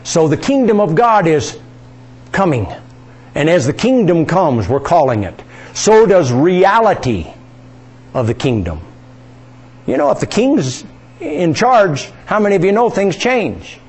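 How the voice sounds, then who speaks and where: A man's voice: high voice, big pitch swings, normal speed, darkish tone, slightly rough. A man preaching a sermon, reading scripture aloud and asking his congregation questions.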